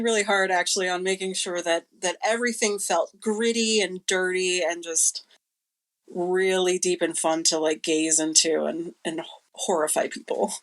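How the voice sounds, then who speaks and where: Lowish-voiced woman chatting informally. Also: fairly bright tone. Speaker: creative director of a podcast, guest. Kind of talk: casual interview chat.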